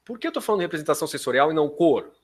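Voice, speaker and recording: A Brazilian man giving an academic philosophy lecture as a professor, didactic and halting, with informal asides and frequent check-in questions to his listeners. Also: fairly high pitch, sing-song.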